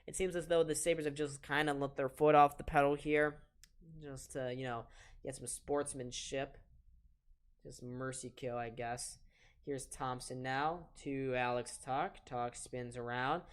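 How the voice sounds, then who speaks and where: An eighteen-year-old man with a soft voice, casually calling live hockey play-by-play on a stream and chatting with viewers between plays. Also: medium pitch, steady tone, unhurried, smooth. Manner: chatty, reads chat aloud and talks to viewers between plays. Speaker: play-by-play commentator and stream host.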